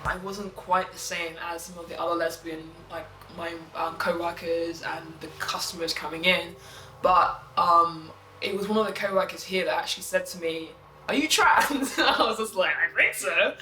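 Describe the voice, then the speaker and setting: A trans man telling a story in a lively way, acting out what others said, in a documentary interview. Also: medium pitch, moderate pace. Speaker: interviewee, director of an organisation. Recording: roomy, slight noise.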